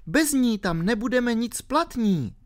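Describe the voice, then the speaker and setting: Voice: mid-range voice, animated, voice pushed up, natural voice. A reader voicing a ten-year-old girl, bold and determined, speaking eagerly and insistently in a storybook reading.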